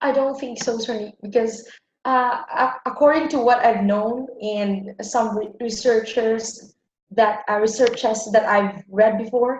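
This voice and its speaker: Speaking at a fairly slow pace with a Filipino accent, a woman talks in a fairly high pitch with fairly even intonation. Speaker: telemarketer. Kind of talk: interview. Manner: halting.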